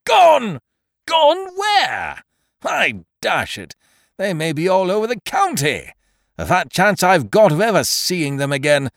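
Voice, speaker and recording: A loud, blustering schemer from a storybook, full of hearty indignation, as a male narrator puts him on. The voice leaps up high when worked up, and it sits in a dry, close space. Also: huge pitch swings, normal speed, dry recording. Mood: outraged. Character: blustering booming middle-aged male schemer.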